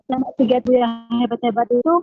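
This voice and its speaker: A woman's voice: a little high, flat delivery, brisk. A woman on a video call in a casual online meeting, her audio breaking up and glitching, checking whether she can be heard. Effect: choppy, breaking-up internet audio. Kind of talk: casual chat. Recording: lo-fi video call with faint music.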